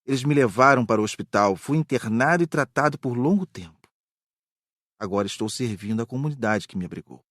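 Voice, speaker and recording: A man playing a reformed drug addict spirit, confessing his downfall in a measured way for an audiobook. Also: mid-range voice, expressive, fairly bright tone, no room sound, studio quality. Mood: sober, confessional. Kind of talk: dramatized audiobook dialogue.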